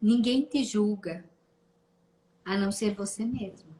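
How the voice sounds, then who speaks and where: A woman's voice: mid-range voice, a little slow, dark tone, rough recording. Direct, encouraging Brazilian woman therapist. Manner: direct, encouraging, asks pointed questions. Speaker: host, therapist. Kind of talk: therapeutic conversation.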